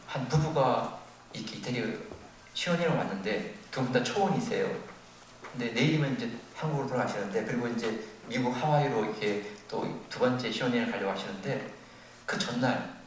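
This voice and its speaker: An older man preaching a sermon as a pastor, telling a story with animated, acted-out quotes. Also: medium pitch, a little fast. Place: church sanctuary. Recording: very echoey, distant from the mic, faint noise.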